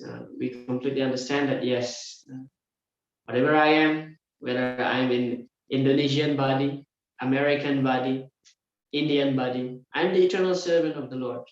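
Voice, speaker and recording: A man teaching a scripture class, explaining verse by verse and often filling pauses with "yeah" and "uh". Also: medium pitch. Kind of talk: scripture lecture. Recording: very echoey room, dull lo-fi sound.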